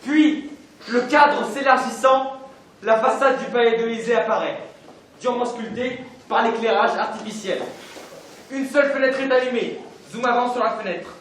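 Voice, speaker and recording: Young man as stage narrator, measured, descriptive, very high voice, echoey hall, far from mic. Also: a bit bright, slight background noise. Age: teenage. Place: school theater stage.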